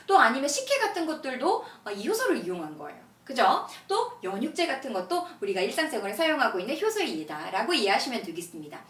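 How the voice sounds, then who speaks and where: Female online teacher, quick and lively delivery, encouraging question-and-answer explaining, picked up from a distance. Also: high-pitched. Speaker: science teacher presenting an online lesson. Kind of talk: scripted-outline lecture addressed to students. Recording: roomy echo, voice distant from mic.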